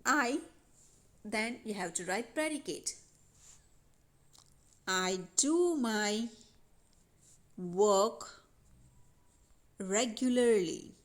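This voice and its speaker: A woman's voice: a little high, very slow, pauses often. A woman teaching a grammar lesson over a worksheet, patiently repeating instructions to students. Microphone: voice-over on handwritten worksheet video.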